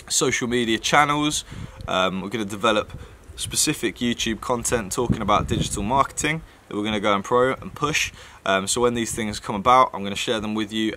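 A man's voice: lowish voice, pushed and bright, slight background noise. A man with a nasal voice, chatting casually to camera in a rambling vlog with plenty of fillers. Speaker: vlogger.

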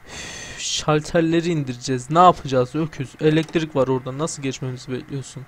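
A young man plays through a video game and gives casual let's-play commentary, joking, swearing, and talking back to the characters. His mid-range voice is brisk with fairly even intonation.

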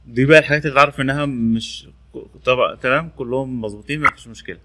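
A man's voice: mid-range voice, very fast, heavy background noise. A man with an Egyptian Arabic accent presents a casual tech tutorial, repeating labels as he demonstrates a training tool. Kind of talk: casual screen-recorded tutorial.

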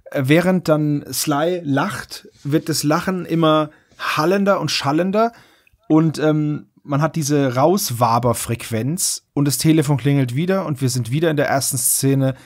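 A man's voice: a little high, a little slow, no room sound, clean studio sound. A man co-hosting a podcast, recapping stories in a casual, conversational way. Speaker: podcast host. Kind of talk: casual plot recap chat.

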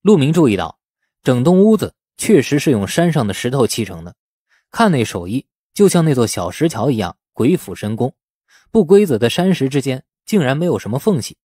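A man's voice: medium pitch, sing-song, a little fast, mellow, slightly rough, no room sound, studio quality. A man narrating a novel as a scripted audiobook in a storytelling style.

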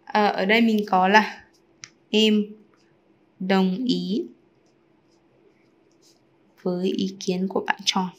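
A woman's voice: medium pitch, fairly even intonation, slow, long pauses. Chatty woman teaching a math lesson. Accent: Vietnamese. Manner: chatty, checks in often with rhetorical questions.

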